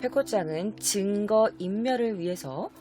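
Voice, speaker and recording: Woman telling a spooky tale, lively pitch. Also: a little slow, faint music behind. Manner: chatty, animated, acts out short quoted voices. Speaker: YouTube storyteller. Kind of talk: casual spooky storytelling.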